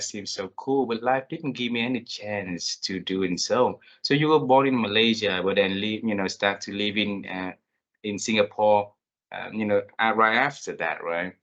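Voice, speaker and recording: Bright-voiced male host, lo-fi sound. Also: fairly low pitch. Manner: warm, effusive, halting phrasing. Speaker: podcast host. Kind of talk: interview hosting.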